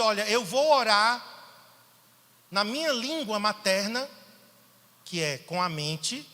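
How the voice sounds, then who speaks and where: High, bright-voiced preaching man. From Brazil. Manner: animated, shifts from soft to emphatic preaching. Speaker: pastor. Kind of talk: sermon. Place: church hall. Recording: long hall reverb.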